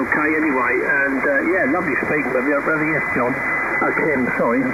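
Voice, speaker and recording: With an East Anglian accent, a man speaks fairly quickly over noticeable background noise, his voice carrying audible room echo. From East Anglia, England. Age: 60s. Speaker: ham radio operator. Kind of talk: amateur radio contact. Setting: radio transmission. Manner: halting.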